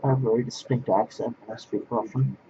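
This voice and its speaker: A man from northwest Pennsylvania, talking to camera in a halting, rambling monologue that keeps restarting its phrases. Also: medium pitch, fairly even intonation. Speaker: language vlogger. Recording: dull lo-fi sound with clear background noise.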